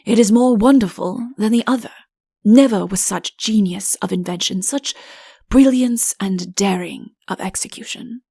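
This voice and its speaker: A woman voicing a young gentleman suitor in a fairy-tale audiobook, polite, smooth-tongued and full of admiration. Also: mid-range voice, normal speed, no room sound, clean studio sound. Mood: admiring. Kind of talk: audiobook character voice.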